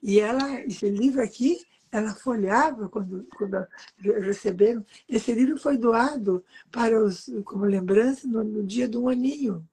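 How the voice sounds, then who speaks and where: A woman's voice: a little high, normal speed, dark tone, breathy edge, poor audio. A woman in her eighties, from Brazil, chatting in an interview as a doting grandmother who reads aloud from her books and keeps pointing at the pages. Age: 80s. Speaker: author and guest.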